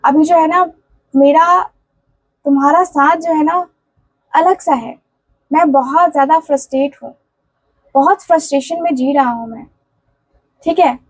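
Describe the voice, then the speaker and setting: A woman with a high voice speaks as a tarot reader, relaying a love message in the first person. She talks in an earnest, pleading way, circling back over the same phrases with casual fillers. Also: measured pace, pauses often, low-quality recording. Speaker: tarot and candle wax reader.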